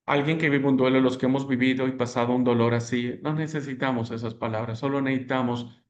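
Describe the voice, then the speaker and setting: A man teaching a class on Christian spirituality in a preaching style, animated and repeating words for emphasis as he calls his listeners brothers. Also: mid-range voice, quick pace.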